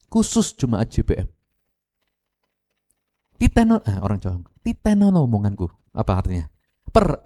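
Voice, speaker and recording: A middle-aged man with an East Javanese accent preaching an animated sermon, speaking straight to the congregation. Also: high voice. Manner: animated, addresses congregation directly, mixes Javanese phrases. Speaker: pastor. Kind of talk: lively sermon with acted quotes.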